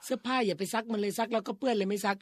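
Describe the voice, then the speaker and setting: A woman's voice: medium pitch, fairly even intonation, racing, a little mellow. A woman hosting a casual radio chat, chatty and teasing, talking straight to the listeners. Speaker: radio host.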